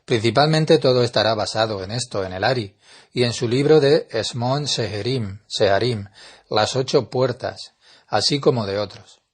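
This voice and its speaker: Husky-voiced man giving a measured lecture. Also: mid-range voice. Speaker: Kabbalah teacher. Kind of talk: spiritual lecture.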